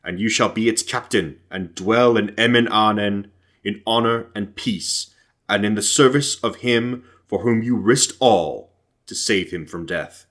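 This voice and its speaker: A man voicing a solemn, merciful king in a fantasy audiobook, with stately, measured, commanding delivery. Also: lowish voice, a bit bright. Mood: magnanimous, resolute. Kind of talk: dramatic audiobook character reading.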